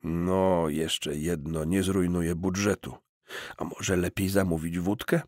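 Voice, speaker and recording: A man's voice: low-pitched, little pitch movement, takes it slowly, a little mellow, dry recording, studio quality. A man playing a hapless, awkward, hungover young man in an audiobook. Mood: sulky.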